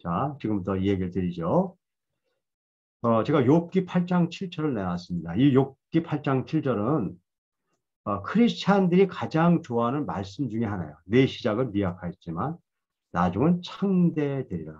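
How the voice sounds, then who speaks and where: A man's voice: medium pitch, sing-song, moderate pace, a little mellow, husky, highs cut off. A man giving a Bible lecture in a conversational, storytelling way, admitting his own past mistakes. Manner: conversational, self-deprecating storytelling.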